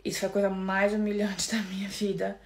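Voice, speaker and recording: A woman from Brazil with a Brazilian Portuguese accent tells her own story to camera. She speaks softly and haltingly, often restarting and turning to her listeners. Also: medium pitch, completely flat delivery.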